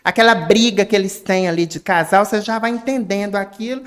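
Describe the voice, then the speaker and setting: A woman with a Brazilian Portuguese accent, a guest actress in casual podcast chat, animated and laughing often. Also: mid-range voice, brisk.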